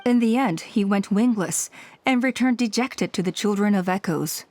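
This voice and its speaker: A woman playing a calm, authoritative tribal elder in an anime game, measured and diplomatic. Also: medium pitch, noisy background, close to an everyday voice. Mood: informative. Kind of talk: anime game dub acting. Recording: music under the voice.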